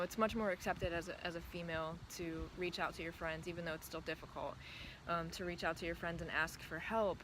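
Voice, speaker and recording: A trans man talks through his thoughts in a casual vlog, his voice still often heard as female. He pauses, says um a lot and restarts sentences. A clear, steady noise runs under the recording, maybe from a vehicle. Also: high voice. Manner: thoughtful, hesitant, many ums and restarts. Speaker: vlogger.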